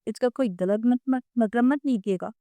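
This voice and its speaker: A woman's voice: fairly high pitch, dry recording, lightly acted. A woman reading as a cool, proud young wife. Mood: cold. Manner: flat, cool, composed.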